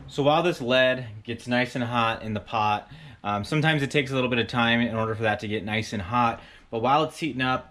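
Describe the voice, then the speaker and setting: A man's voice: mid-range voice, a bit bright. A man hosting a fishing show, talking casually through a how-to with chatty fillers and repeats. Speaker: fishing podcast host.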